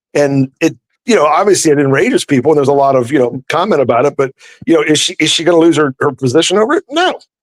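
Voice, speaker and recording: With an American accent, a man with a fairly high voice talks at a very fast pace, showing ordinary pitch variation, in a dry, close sound with no echo. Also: very even loudness. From Cincinnati, Ohio. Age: 60s. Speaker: panelist on political talk show. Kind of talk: heated political discussion. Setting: live stream.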